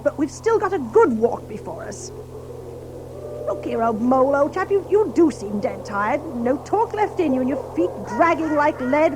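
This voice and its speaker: Hearty water rat fellow, high voice, super animated, kindly and bustling, old-timey chummy, storybook radio play. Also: female voice, background noise. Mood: coaxing. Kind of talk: audio drama storybook acting.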